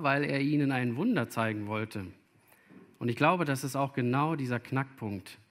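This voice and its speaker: A man preaching a sermon to young listeners, earnest and speaking to them directly. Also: on the high side. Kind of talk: sermon to children or youth.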